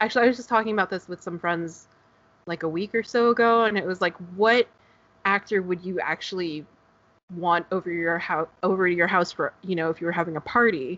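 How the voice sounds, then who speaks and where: Speaking at a fairly quick pace, a woman has a West Coast accent. Her pitch is medium, with ordinary pitch variation. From Northern California. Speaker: podcast guest, fan community organizer. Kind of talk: casual interview. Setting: remote call.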